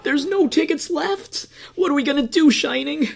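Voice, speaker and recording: A woman's voice: high voice, normal speed, creaky. A woman voicing an anxious young male dragon sidekick, hesitant and pleading, in a comedic fan fiction reading over music. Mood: panicked. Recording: background music under the voice.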